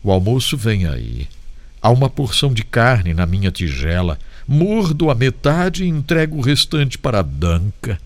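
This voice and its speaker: Man reading a memoir with lively pitch. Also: dry recording. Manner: dramatic, varied, slows for solemn moments. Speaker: devotional reader. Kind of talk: expressive reading of a first-person memoir.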